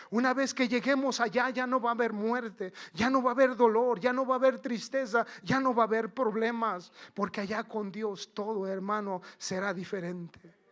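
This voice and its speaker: A man's voice: sits high, fairly bright tone. A male minister preaching a fervent church sermon, repeating phrases for emphasis and calling the congregation brother. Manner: addresses the congregation as "hermano".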